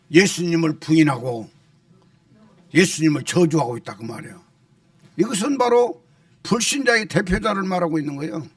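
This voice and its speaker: A man's voice: high voice, no room sound, studio quality, recorded from a distance. A male pastor preaching a sermon with emphasis, repeating key phrases and prompting his listeners for replies.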